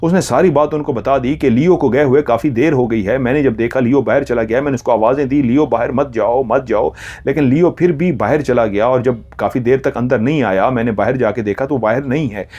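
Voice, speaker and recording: A man narrating a horror story in a slow, hushed, dramatic way. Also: mid-range voice, dull audio.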